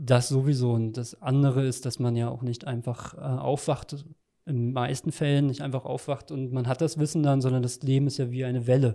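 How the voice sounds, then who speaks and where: A man talks at a moderate pace in a dark, mellow tone. His medium pitch stays monotone and flat. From eastern Germany, Magdeburg. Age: 30s. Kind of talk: interview conversation.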